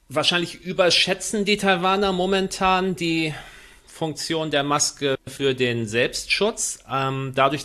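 A man chatting as a guest on a podcast, with a mid-range voice. He explains his points at length and often pauses on fillers or starts over mid-sentence. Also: medium pitch, fairly bright tone. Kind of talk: casual podcast conversation.

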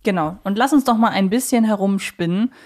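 A woman's voice: mid-range voice, fairly quick, a little mellow. A woman co-hosting a podcast in a casual, conversational discussion. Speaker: podcast co-host.

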